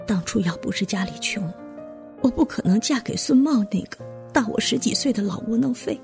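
A woman playing a weary, resentful village wife and mother in an audio drama monologue, speaking haltingly with sighs. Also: on the high side, animated, gravelly, a little mellow, faint music behind.

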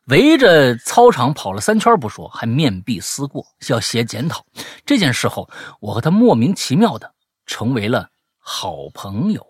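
A husky-voiced man hosts a comic chat show, reading listener letters and poking fun at them. His pitch swings widely as he jokes and feigns outrage. The sound is close and dry. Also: moderate pace, no echo. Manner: teasing, animated, mock-indignant. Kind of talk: comic commentary on listener stories.

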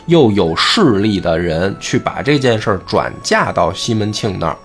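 The host here has a lowish voice and keeps a moderate pace, with faint music playing behind him. Casual and animated, he explains a classic novel and acts out the characters he quotes.

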